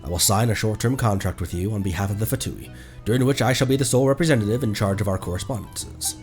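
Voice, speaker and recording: A man's voice: lowish voice, quick pace, darkish tone. A man livestreaming a game, playful and theatrical, reacting and reading dialogue aloud. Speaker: streamer. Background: faint game music.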